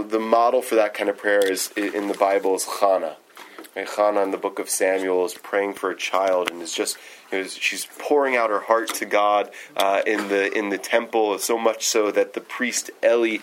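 A man's voice: fairly low pitch, a little hiss or hum, rough recording. Thoughtful man teaching, full of "right?". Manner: thoughtful, searching, often checks in with "right?". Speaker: teacher leading a text study. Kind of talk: informal lecture on prayer.

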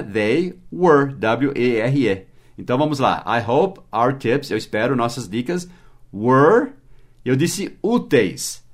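Man, english teacher, mini-podcast lesson, spells out words, medium pitch. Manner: spells words letter by letter, switches into slow English examples.

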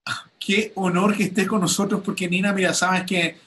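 A man's voice: sits high, level tone, normal speed, pushed and bright. A male host talking animatedly on a call, with many fillers and restarts. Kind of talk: enthusiastic call interview.

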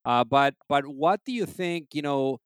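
A man's voice: medium pitch, animated, unhurried, clean tone, no echo, studio quality. A man hosting a podcast interview, wordy and conversational, often padding with "you know".

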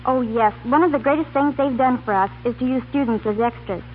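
A woman's voice: fairly high pitch, fairly quick. Young woman guest, tinny old radio. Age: young adult. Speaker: guest, university student. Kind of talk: scripted radio interview answers. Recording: tinny, noisy 1930s radio recording.

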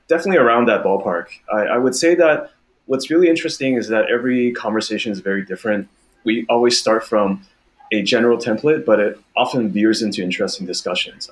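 A man in his thirties from Taiwan, a podcast guest talking in a casual, thoughtful way with small restarts. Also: on the low side. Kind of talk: casual interview chat.

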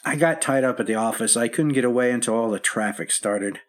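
A man's voice: medium pitch, brisk, natural voice. An actor playing a weary husband in his thirties in an old-time radio drama, sighing and downbeat. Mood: tired, downbeat. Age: 30s.

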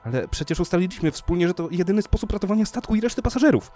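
A man's voice: high-pitched, sing-song, racing, pitched above the performer's own voice. Tom: a man playing a pleading, frightened crewman. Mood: guilty. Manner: pleading, rising to panicked shouts.

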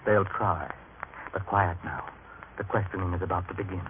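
An actor playing an older, knowing temple-goer who speaks in a measured, confiding way in a vintage radio drama. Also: male voice, sits low, close to an everyday voice. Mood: grave, confiding. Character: older, knowing man hushing others in temple. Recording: tinny, noisy old radio recording.

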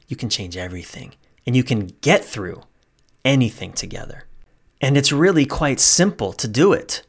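A man's voice: medium pitch, fairly bright tone. A man speaking as a relationship coach, in a casual, earnest and emphatic way, swearing now and then for emphasis. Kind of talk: casual talk, personal story.

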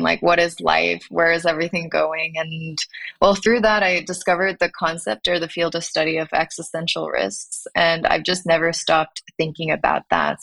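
Creaky low-voiced woman founder. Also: fairly bright tone. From Finland. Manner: thoughtful, many fillers and restarts. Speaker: startup founder, guest. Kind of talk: conversational interview.

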